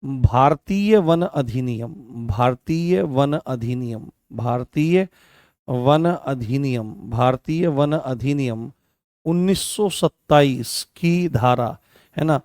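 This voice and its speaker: A man's voice: mid-range voice, slow, a little mellow, dry recording, clean studio sound. A man teaching an exam coaching class online. He repeats key phrases over and over as he writes, and asks questions that he answers himself. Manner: repeats key phrases many times while writing on a board.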